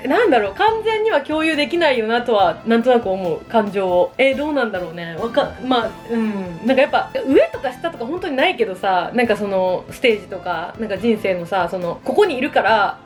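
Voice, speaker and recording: A woman's voice: a little high, big pitch swings, fast talker, hardly any pauses, faint music behind. A woman in her thirties chatting casually and confessionally over a meal, self-deprecating and giggly, often acting out imagined remarks. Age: 30s. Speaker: solo vlogger. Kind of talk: casual confessional chat, reacting to relatable dating woes.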